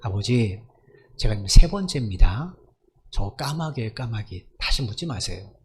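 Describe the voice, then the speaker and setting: A man's voice: on the low side, big pitch swings, normal speed, a little hiss or hum. A man acting as an irritated middle-aged son. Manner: impatient, curt repetition.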